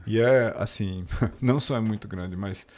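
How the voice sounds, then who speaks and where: A man, a podcast guest, explaining things carefully and quickly correcting details. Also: fairly low pitch, darkish tone. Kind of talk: casual podcast conversation.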